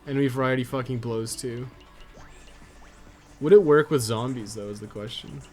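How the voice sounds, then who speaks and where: A man's voice: mid-range voice, steady tone, normal speed, a little mellow, faint music behind. A Canadian man chatting casually and irreverently on a video game live stream, rambling and swearing freely.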